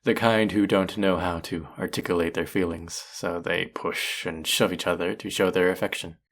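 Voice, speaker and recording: Guy acting as cocky chef love interest, deep slow voice, lots of fry, teasing romance audio. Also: steady tone, a bit bright. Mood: tender, playful. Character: cocky, teasing male chef confessing love to his rival. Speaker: audio roleplay voice actor.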